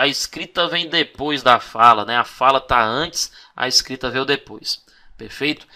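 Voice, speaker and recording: Bright-voiced man teaching. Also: mid-range voice. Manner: lively, coaxing, constant "ok?" and "né?" checks. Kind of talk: exam-prep video lesson.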